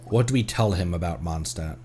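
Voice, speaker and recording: A man's voice: low-pitched, fairly quick, mellow, slight background noise. A man doing casual live commentary as he streams a video game. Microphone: streaming microphone.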